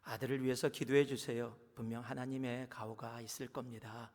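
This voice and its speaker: A man playing a gentle, calm surgeon. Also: mid-range voice, brisk, lightly acted. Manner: soft, soothing, apologetic. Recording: long church hall reverb.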